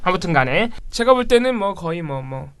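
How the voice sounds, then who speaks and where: A man, a media monitoring activist, commenting on news in a wry, relaxed way. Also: high voice, normal speed, clear, resonant tone. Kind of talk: casual chat.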